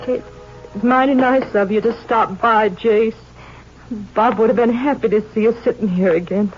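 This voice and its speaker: An actress playing a grieving, gracious sheriff's widow, gentle, folksy and hesitant, in 1950s radio drama style. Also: female voice, a little high, normal speed, faint music behind, close to an everyday voice. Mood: wistful, hospitable. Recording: dull vintage 1950s radio recording.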